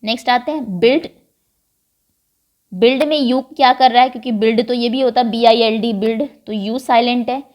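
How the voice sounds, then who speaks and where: Woman, teacher, patient explaining, slightly high voice. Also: fairly even intonation, normal speed, darkish tone. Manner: mixes English phrases into Hindi explanation, patient. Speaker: English teacher. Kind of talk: explaining a worksheet to pupils.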